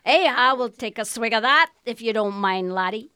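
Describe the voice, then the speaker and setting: A woman's voice: fairly high pitch, moderate pace, pushed and bright, smooth, dry recording, clean studio sound. A woman playing a brash Scottish woman in a radio comedy sketch, with a broad, teasing Scottish accent. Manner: exaggerated brogue, Scots words, teasing.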